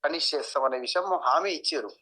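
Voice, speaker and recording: A man's voice: a little high, animated, fast talker, a crowd in the background. A man with a Telangana Telugu accent giving an interview account as a local activist, insistent and repeating his points.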